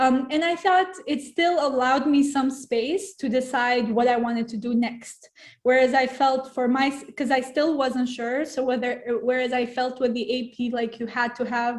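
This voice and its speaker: Moderate pace, with an Albanian accent. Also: woman, high pitch for a woman. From North Macedonia, Struga. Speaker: PhD researcher, school alumna. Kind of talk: interview.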